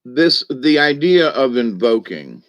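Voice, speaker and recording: A man with a medium-pitched, very animated voice speaks slowly while hosting a livestream as a shaman. He rambles through spiritual talk in a folksy, meandering style, often breaking off for asides to his viewers.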